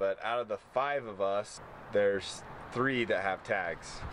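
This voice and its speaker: A man speaks at a fairly slow pace over noticeable background noise, with a dry sound and no echo. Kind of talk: casual vlog chat. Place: tent. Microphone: phone near.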